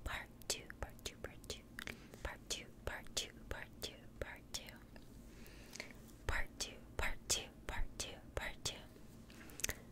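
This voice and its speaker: A whispering woman at a very slow pace, with long, frequent pauses. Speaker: ASMR creator. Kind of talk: ASMR language lesson. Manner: whispered, soft-spoken. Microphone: studio mic.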